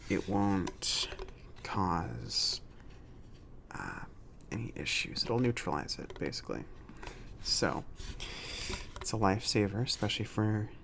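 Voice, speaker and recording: A man playing a friendly, awkward mage shopkeeper in an ASMR roleplay, speaking softly and haltingly, often near a whisper. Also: fairly low pitch, gravelly, slight background noise, heavily acted. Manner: hesitant, halting, casual.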